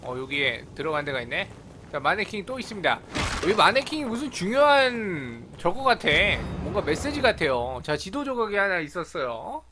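A man's voice: sits high, very animated, normal speed, background noise. A man giving casual live commentary on a video game, playful and exclamatory, talking back at the characters. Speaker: gaming video host. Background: video game sound.

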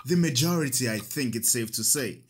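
An actor playing a kindly, learned Catholic priest in an audio drama, teaching children in a patient, measured, explanatory way. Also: male voice, medium pitch, natural voice.

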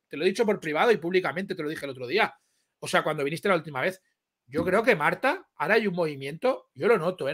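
Excitable man with a Spain Spanish accent. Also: high voice. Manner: excitable, rambling, slangy storytelling. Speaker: host. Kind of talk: casual live-stream chat.

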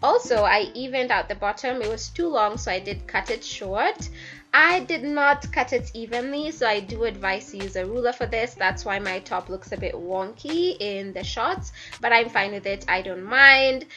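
A young woman with the flu, her voice raspy and hoarse, narrating a sewing tutorial in a chatty, playful way and talking straight to her viewers. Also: on the high side, normal speed. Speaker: DIY fashion YouTuber. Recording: slightly dull audio with soft background music.

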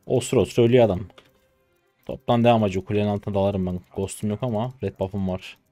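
A man in his twenties from Turkey giving casual live commentary on his own gameplay, chatty and trash-talking, with sudden loud excited shouts, on a close desk mic. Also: fairly low pitch, fast, no echo, soft background music. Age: 20s. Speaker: gaming streamer.

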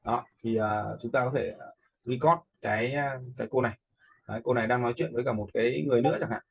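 Man, software instructor, slightly husky voice, casual tutorial talk, frequent check-in questions. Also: medium pitch, quick pace. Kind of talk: casual screen-share teaching, addressing learners.

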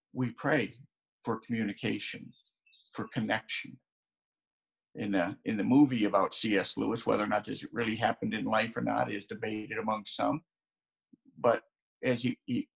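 An older pastor in his sixties gives an earnest, chatty sermon, his voice gravelly and a little husky. He speaks at a middle pitch to a camera set at desk distance in his sunroom at home. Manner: earnest, conversational, with frequent restarts.

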